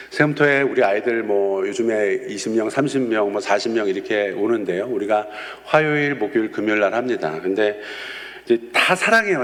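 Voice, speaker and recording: Man preaching in a reverberant church. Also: mid-range voice. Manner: storytelling, frequent affirming "yes" asides. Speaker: youth pastor. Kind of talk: conversational sermon. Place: church sanctuary. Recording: long church-hall reverb.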